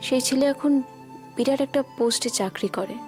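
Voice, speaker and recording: An actress playing a weary young woman stuck in a hospital bed, speaking quietly and sadly with a Bengali accent. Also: high voice, brisk, soft background music, close to an everyday voice. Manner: quiet, subdued, melancholy speech. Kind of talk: TV serial drama acting.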